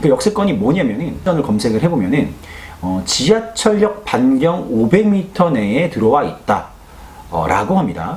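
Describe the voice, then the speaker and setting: With very wide pitch swings and a fairly high pitch, a man talks at a moderate pace amid noticeable background noise and audible room echo. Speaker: real estate YouTuber. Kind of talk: informational talk to camera. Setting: home studio with lighting.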